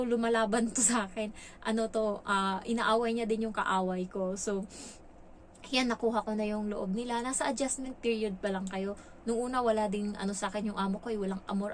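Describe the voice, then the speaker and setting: A woman's voice: mid-range voice, a little hiss or hum. A woman from the Philippines vlogging casually and frankly about her work as a domestic helper abroad. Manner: chatty, frank, acts out quoted lines. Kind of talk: casual storytelling vlog.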